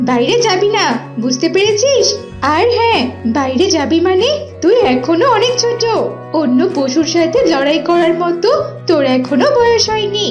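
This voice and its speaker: Woman as a high-voiced, protective mother fox. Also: expressive, normal speed, darkish tone, lo-fi sound. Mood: scolding, worried. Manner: pleading, emphatic. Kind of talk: cartoon voice acting. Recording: roomy echo with music.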